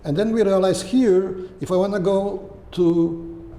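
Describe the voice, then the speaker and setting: The speaker is an older guest from Poland whose accented replies come haltingly, peppered with "okay?" and "right?" as he talks through the interview. Soft and mellow despite sitting a little high, his voice holds a steady tone. The room rings long, with a faint hiss underneath.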